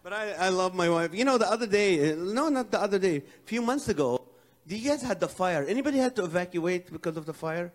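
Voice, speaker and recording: A middle-aged man doing stand-up comedy, telling self-mocking stories in an animated way. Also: high voice, brisk.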